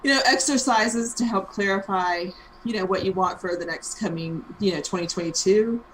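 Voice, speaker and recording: A woman in her fifties co-hosting a business show, talking in a thoughtful, even way with frequent ums. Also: mid-range voice, moderate pace, a little hiss or hum, rough recording. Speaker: co-host and franchise owner. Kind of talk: casual chat.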